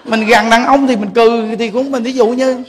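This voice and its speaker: High-voiced jokey monk, Southern Vietnamese accent. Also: male voice, fairly even intonation, brisk, heavy background noise. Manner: jokey, laughing, addresses audience directly. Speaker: Buddhist monk teacher. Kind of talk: humorous dharma talk.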